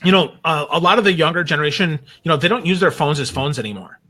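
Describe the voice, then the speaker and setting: A man with a fairly high-pitched, very bright and forceful voice speaks as a guest on a casual talk show. He is conversational and opinionated, landing his points with emphasis. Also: fast talker. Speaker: guest commentator on social media marketing.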